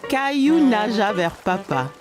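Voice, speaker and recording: A woman narrating a cartoon for small children in a gentle, clear storytelling manner. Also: medium pitch, sing-song, takes it slowly, music in the background.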